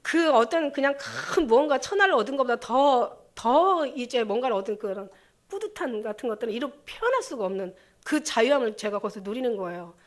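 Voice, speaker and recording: A woman pastor preaching a sermon in an emotional, halting way, with many restarts. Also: on the high side, big pitch swings.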